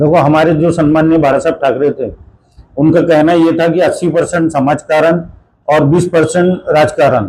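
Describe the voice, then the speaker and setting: High male speech with a dark, mellow tone. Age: 60s. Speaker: local politician and social worker. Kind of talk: news interview. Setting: press interview with several channels.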